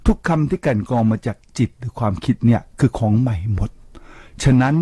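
A man's voice: medium pitch, a little fast, slightly rough, dry recording. An older man hosting a radio talk show, lecturing listeners with rhetorical questions and sprinkling English words into his speech. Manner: lively, preachy, asks listeners rhetorical questions. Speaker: radio host. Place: radio studio. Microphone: studio microphone.

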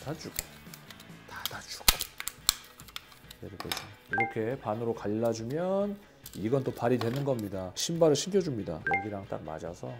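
A young man hosting a casual toy review, chatting as he transforms robot toys and shouting their names in excitement. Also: medium pitch, brisk, over loud music. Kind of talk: casual toy unboxing commentary.

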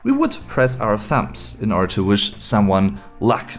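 Lively, unhurried German man thinking aloud. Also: on the low side, faint music behind. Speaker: language video host. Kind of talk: casual language lesson. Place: small room indoors.

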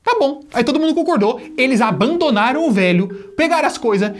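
A man's voice: extremely high pitch, lively intonation, fast. A man with a Brazilian accent recapping an anime in an exasperated, sarcastic way, acting out the characters' lines. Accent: Brazilian Portuguese. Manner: exasperated, sarcastic storytelling with acted-out quotes. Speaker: anime review host.

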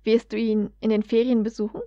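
A woman voicing a caring, attentive middle-aged mother in a read-aloud fan story, speaking softly with a slightly raised voice. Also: fairly high pitch, level tone, brisk, no echo, natural voice. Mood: concerned. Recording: dull, dry lo-fi recording.

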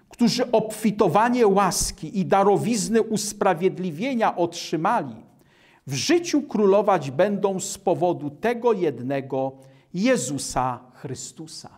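An older man preaching a sermon in a slow, measured way, recorded in a studio. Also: sits high, a little mellow. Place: studio in front of a starry-sky backdrop.

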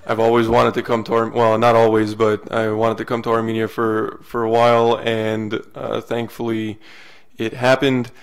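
A young man introduces himself at a panel table. His voice is smooth and resonant but held very level in pitch. He speaks in a relaxed way and slips in small jokes. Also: moderate pace. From California. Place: university lecture hall panel table.

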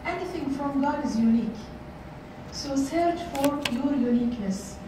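Woman, middle-aged, high voice, motivational workshop talk, echoey conference room, far-off camera, noisy. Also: normal speed. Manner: earnest, repeats phrases, many fillers. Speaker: workshop speaker. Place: large hotel conference room.

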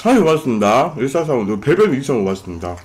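A man's voice: medium pitch, sing-song, quick pace, a little mellow. A young man chatting casually with his co-host during a live mukbang stream, talking between bites in a small room. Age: young adult. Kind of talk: casual chat while eating. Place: small room indoors at a food-covered table.

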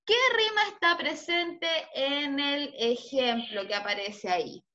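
A woman's voice: high voice, bright, forceful tone. Patient teacher quizzing her class. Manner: patient, slow, quizzing students. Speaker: schoolteacher. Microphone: video call. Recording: muffled video-call audio.

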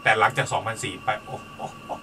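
A man reviewing cars in casual, joking talk, telling driving stories with lively humor. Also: a little fast, recorded from a distance, background noise. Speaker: car reviewer.

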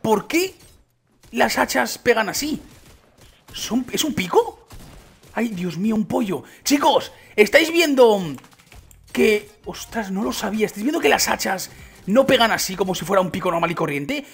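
A young man with a Spanish accent reacting to a video game with excitement. His voice sits high and swings widely in pitch, leaping up on exclamations. A husky edge runs through his tone. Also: moderate pace, soft background music. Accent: Spain Spanish. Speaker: gaming YouTuber. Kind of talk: excited gameplay commentary.

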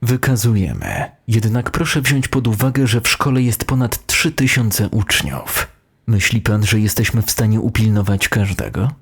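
A man's voice: fairly low pitch, sing-song, normal speed, slightly rough, full character voice. A man voicing a sardonic, confrontational deputy headteacher in an audio horror story. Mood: defensive. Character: sarcastic, combative male deputy headteacher.

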